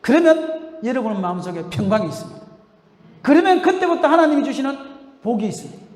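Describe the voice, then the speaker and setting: An older pastor preaches from the pulpit in a notably high voice that swings widely in pitch. He tells his stories with laughter and shouts the scripture lines. The sound carries a roomy, long church-hall reverb. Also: big pitch swings, fast talker. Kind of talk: sermon. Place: church sanctuary.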